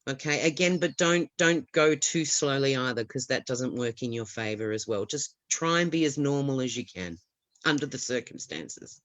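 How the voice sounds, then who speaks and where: A woman's voice: rumbling low, expressive, moderate pace, no room sound. A woman giving reassuring advice as an expert guest on a webinar, explaining with small restarts over a video call.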